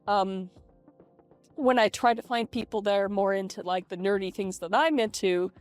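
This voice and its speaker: A middle-aged woman talking casually to her vlog audience through a voice changer, reflective and halting, with repeated false starts. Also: medium pitch. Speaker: vlogger. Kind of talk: casual personal vlog monologue. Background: lo-fi video game music.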